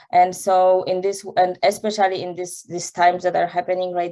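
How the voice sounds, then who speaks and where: A woman speaks in a dark, mellow tone with a Polish accent. Her intonation stays flat and monotone. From Poland. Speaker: workshop facilitator. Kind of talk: online interview. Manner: halting.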